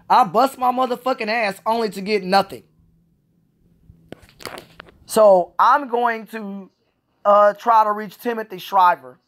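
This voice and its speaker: A woman's voice: mid-range voice, fairly bright tone. A woman, a Special Olympics athlete, venting in a vlog monologue, frustrated and profane, repeating herself. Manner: frustrated, repetitive, profane ranting.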